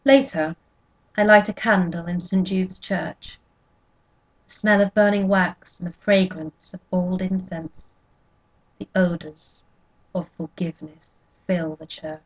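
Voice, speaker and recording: A woman reading a novel aloud in first person, with measured, quietly expressive narration, in a dull lo-fi recording. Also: fairly low pitch. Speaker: audiobook reader.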